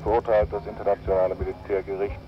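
A man serving as court interpreter reads out court sentences in a measured, solemn official manner, heard as old archival newsreel-style audio. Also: lowish voice, little pitch movement. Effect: old archival newsreel-style broadcast audio. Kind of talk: formal reading of court sentences. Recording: dull lo-fi archive recording with faint music.

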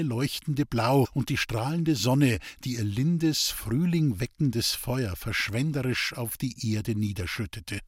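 Male audiobook narrator, husky mid voice, dry close mic, measured storytelling. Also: medium pitch, dry recording. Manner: measured storytelling, giving the characters rural dialect. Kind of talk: audiobook reading of a classic novel.

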